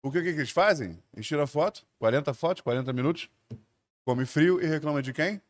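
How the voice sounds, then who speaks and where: A man's voice: a little high, quick pace, dry recording. A man co-hosting a food podcast, talking bluntly and casually and swearing as he scolds. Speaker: podcast co-host chef.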